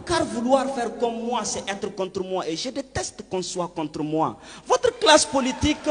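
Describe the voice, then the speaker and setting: High-voiced man declaiming slam poetry. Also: slight background noise. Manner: rhythmic, declamatory delivery. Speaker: slam poet. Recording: long hall reverb with music underneath.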